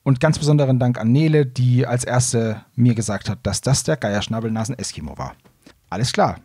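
A man's voice: mid-range voice, fairly quick, darkish tone, husky, no echo. A man hosting a podcast, chatting casually about audio dramas. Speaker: podcast host.

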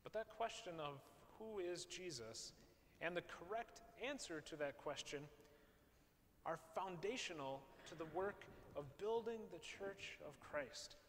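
High-voiced pastor preaching in a reverberant church. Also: male voice, lively intonation, fairly bright tone. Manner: measured preaching with rhetorical questions. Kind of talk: sermon. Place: large church sanctuary, preaching from a pulpit. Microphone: far camera, pulpit mic. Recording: long church reverb, faint hiss.

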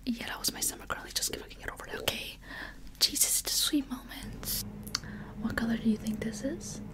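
A woman's voice: on the high side, fairly quick. A woman in her twenties whispering a chatty, playful ASMR roleplay up close to the microphone. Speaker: ASMR video creator.

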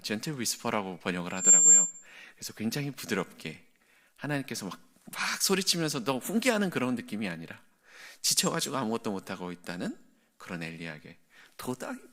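Young-ish male preacher at a dawn church service; expressive, storytelling delivery with lots of pitch movement. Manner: storytelling, animated, acts out quotes. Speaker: junior pastor. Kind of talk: sermon. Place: church, early-morning prayer meeting.

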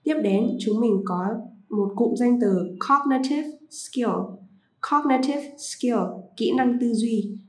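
A woman teaching a vocabulary lesson to pupils, repeating each English word slowly before explaining it. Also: fairly high pitch, a little mellow, reverberant, poor audio.

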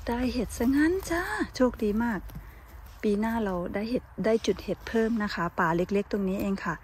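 A woman narrating a casual outdoor vlog while foraging in a forest, exclaiming excitedly over each find. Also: medium pitch, brisk, a little hiss or hum. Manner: excitable, squeals and exclaims when finding mushrooms. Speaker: vlogger.

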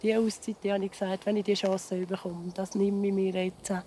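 A woman with a Swiss German accent chats lively and openly, in a voice at middle pitch. She is outdoors on a snowy glacier, caught by a camera mic. Clear wind and outdoor noise sit behind her. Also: fairly quick. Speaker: ski tourer. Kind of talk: casual chat to camera.

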